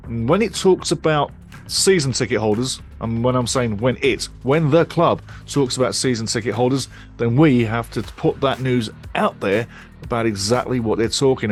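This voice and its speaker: Upbeat man hosting a football fan show. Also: mid-range voice. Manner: upbeat hype-man, punchy exclamations, repeats himself. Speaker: fan channel host. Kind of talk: casual pre-match football show talk.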